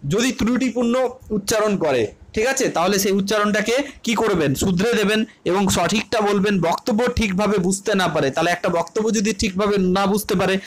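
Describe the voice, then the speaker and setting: High-voiced Bengali man teaching. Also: moderate pace. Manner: asks and answers his own questions, repeats key points; mixes English terms into Bengali. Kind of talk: online exam-prep lecture.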